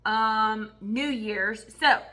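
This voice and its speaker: A middle-aged woman who has lost her voice, chatting casually and hoarsely for a cooking vlog in her home kitchen. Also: a little high, drawn-out words, bright, forceful tone.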